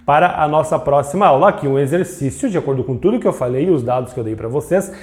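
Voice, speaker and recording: A man's voice: a little high, quick pace, darkish tone. A man teaching a grammar lesson on video, explaining step by step, asking and answering his own questions, and drawing out syllables to show them. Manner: stretches out syllables to demonstrate.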